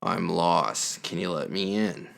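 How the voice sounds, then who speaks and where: A man doing an eerie black-eyed boy, low monotone. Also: slow, gravelly, full character voice. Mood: flat, hushed. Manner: flat, repetitive, turning demanding. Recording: background music under voice.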